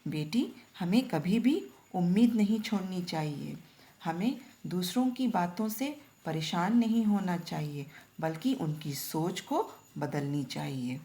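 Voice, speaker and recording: A woman teacher voicing a loving mother who consoles her daughter in a storybook reading, speaking gently and affectionately. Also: fairly low pitch, expressive, slow. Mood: tender, coaxing. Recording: echoey room.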